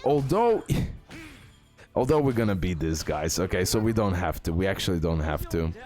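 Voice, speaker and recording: A man giving casual, excitable gameplay commentary, repeating words and talking straight to his viewers. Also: low voice, moderate pace. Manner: excitable, repetitive, addresses viewers directly. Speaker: gaming content creator, host. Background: music.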